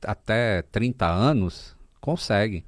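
A Brazilian man in his fifties, a podcast guest telling stories in a relaxed, casual way with many fillers. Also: lowish voice, slow, dry recording, clean studio sound. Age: 50s. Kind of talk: casual chat.

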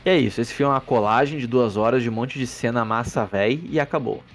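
A man's voice: mid-range voice, fast. A man with a Brazilian Portuguese accent hosting a casual movie review podcast, sarcastic and profane, rambling with restarts. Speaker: podcast host. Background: faint background music.

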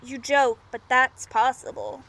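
A woman's voice: sits high, steady tone, a little slow, pushed and bright, poor audio. A woman playing a weary, protective young traveller in an audio drama, casual and blunt in delivery. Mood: wry, concerned. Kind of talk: naturalistic audio drama acting.

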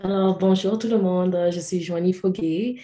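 A woman's voice: fairly low pitch, fairly even intonation, moderate pace, warm tone, reverberant. A young woman from Cameroon, a podcast guest talking casually and mixing English words into her French. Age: young adult. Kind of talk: casual interview conversation.

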